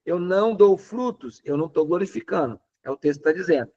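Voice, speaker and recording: A man with a Brazilian Portuguese accent preaching a lively, conversational sermon. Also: high voice, fairly quick, lo-fi sound. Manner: animated, emphatic, conversational preaching. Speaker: pastor.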